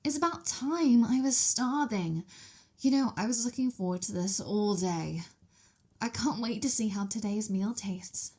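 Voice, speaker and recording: A woman's voice: on the high side, a little slow, warm tone, breathy edge. A woman playing a sweet, hungry young vampire mistress in an ASMR roleplay, talking in a casual, playful, giggly way. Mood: impatient, eager.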